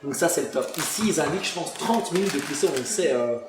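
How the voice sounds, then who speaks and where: A man's voice: on the high side, expressive, fast talker, echoey room, background noise. A man from Belgium with a Liège accent, hosting a casual nutrition cooking show, talking with many fillers and now and then bursting into emphatic exclamations. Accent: Belgian French, Liège. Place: kitchen with people around.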